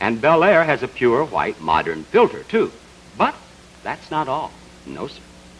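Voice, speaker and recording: Music plays in the background as a man speaks with an American accent. He keeps a moderate pace. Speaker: game show host. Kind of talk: live TV commercial read. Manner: upbeat.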